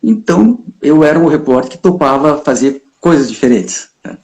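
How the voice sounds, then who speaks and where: Male TV reporter, raised pitch and a warm, mellow tone, spins a lively anecdote. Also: normal speed. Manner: lively, chuckles often, acts out other people's voices. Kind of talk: storytelling anecdote in an interview.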